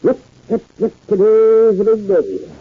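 An actor playing a folksy, good-natured older American uncle in a 1950s radio soap, with homespun, rambling country talk. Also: male voice, high voice, sing-song, unhurried, heavily acted. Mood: happy musing. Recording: dull 1950s radio recording.

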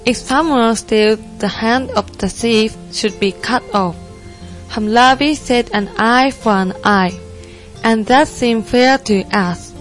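A woman's voice: a little high, natural voice. A young woman playing a strict, earnest Saudi Muslim panelist in a scripted student stage play, over music. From Japan. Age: young adult. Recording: music behind the voice.

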